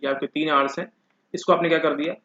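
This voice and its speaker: A man's voice: fairly high pitch, steady tone, quick pace, a bit bright. Man teaching, echoey lo-fi room. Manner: repeats questions to the class and answers them himself. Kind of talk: exam-prep lecture. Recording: echoey room, dull lo-fi sound.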